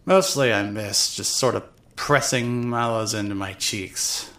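A woman's voice: very deep voice, measured pace, fairly bright tone, full character voice. An actress playing a self-loathing, tipsy, foul-mouthed young trans woman who rambles bitterly in an audio drama, with music behind her. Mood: numb, detached. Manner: rambling, sweary, self-deprecating. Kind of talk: fandub audio drama, first-person monologue.

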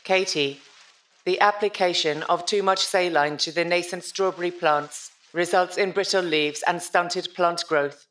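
A woman playing a ship's AI in an audio drama, formal, literal and gently concerned, with precise, stilted wording. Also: fairly low pitch, fairly even intonation, measured pace. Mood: formal, measured.

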